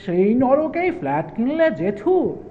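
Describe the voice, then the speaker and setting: A man's voice: very high-pitched, very animated, unhurried, phone-quality sound, pitched above the performer's own voice, heavily acted. A man doing a preachy younger poet. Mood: lecturing. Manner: lecturing, patient. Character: calm, preachy younger male poet advising his elder.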